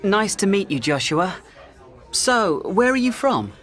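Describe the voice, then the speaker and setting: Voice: medium pitch, sing-song, unhurried, fairly bright tone, a faint crowd. A speaker voicing a sing-song friendly questioner. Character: friendly questioner meeting new people. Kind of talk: scripted practice dialogue.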